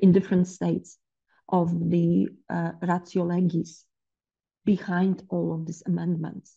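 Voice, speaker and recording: A woman with a Polish accent, fairly low-pitched, somewhat breathy, with a dark, mellow tone, fairly even intonation, a fairly slow pace and long, frequent pauses, against a quiet background. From Poland. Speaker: academic discussant; panel discussant. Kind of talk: panel discussion. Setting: video call. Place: home room. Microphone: earbuds.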